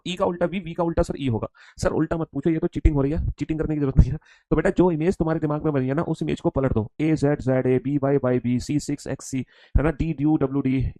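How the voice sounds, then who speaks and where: A man leads a lesson, his voice sitting a little high. He repeats each line and pushes the class into loud call-and-response recitation. The sound is close and dry, with no room echo. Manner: drills students aloud, repeats each line, calls them son. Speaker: teacher.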